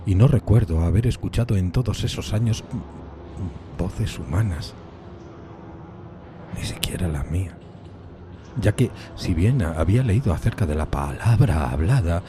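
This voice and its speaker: Man acting a deep-voiced, brooding gothic outcast. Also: noisy background. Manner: brooding, solemn, halting dramatic delivery. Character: tormented solitary outcast man recalling a decayed gothic castle. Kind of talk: dramatic gothic horror audiodrama narration. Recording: music bed behind the voice.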